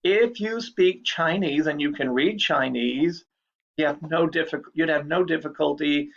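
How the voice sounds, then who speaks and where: Male lecturer, slightly high gravelly voice, casual explainer, dull lo-fi recording. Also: measured pace. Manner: chatty, explanatory, repeats key points.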